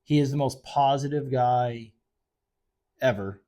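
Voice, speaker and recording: Unhurried and mellow in a mid-range voice, a fishing charter guide hosts his show alone at a desk microphone. His chat is loose and rambling. He fills gaps with fillers and often corrects himself.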